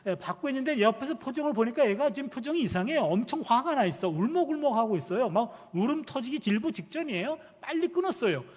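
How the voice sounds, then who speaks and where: Preaching in a church sanctuary, a pastor and professor in his fifties fills his sermon with personal stories, animatedly acting out the quoted dialogue. His voice is extremely high and fast, with hardly any pauses, and the church hall gives a long reverb.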